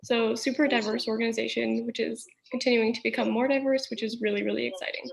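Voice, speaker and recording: A woman's voice: fairly high pitch, little pitch movement, fast talker, creaky, poor audio. A young woman giving a friendly, informative overview of her organization over a video call. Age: young adult. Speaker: nonprofit chief executive.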